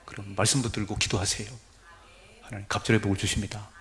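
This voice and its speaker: A man's voice: on the low side, fast talker. A middle-aged man, a pastor preaching a sermon, talking straight to his congregation with rhetorical questions and acting out the voices of scripture. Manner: animated preaching, acts out God's and Job's words.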